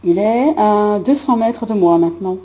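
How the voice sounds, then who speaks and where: A woman playing a male actor at a sound test, reading his film lines in a slow, flat monotone. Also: medium pitch, pitched below the performer's own voice, close to an everyday voice.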